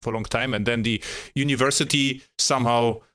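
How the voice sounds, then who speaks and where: A man hosting a podcast interview, asking halting questions and backing the guest with frequent murmurs. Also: medium pitch, steady tone, pushed and bright, no echo, clean studio sound. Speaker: podcast host.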